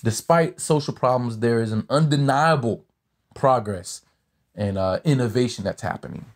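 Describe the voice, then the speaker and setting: As podcast host in a conversational interview, this man poses long questions thoughtfully, filling his speech with many fillers. He speaks at normal speed with a medium pitch.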